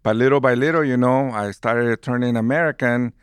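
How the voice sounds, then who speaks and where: A man's voice: medium pitch, fairly quick, clean tone, no room sound, clean studio sound. A man in his fifties from Guatemala with a Guatemalan Spanish accent, animatedly telling his life story in an interview. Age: 50s. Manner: warm, animated storyteller who laughs easily. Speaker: movie theater manager.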